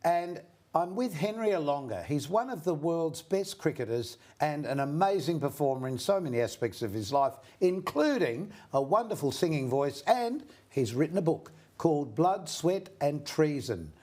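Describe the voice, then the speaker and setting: A man's voice: fairly high pitch, big pitch swings, moderate pace, few pauses, a little mellow. Older man, dryly jokey interviewer. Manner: jokey, bantering, dry humour. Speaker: interview host. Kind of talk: conversational interview.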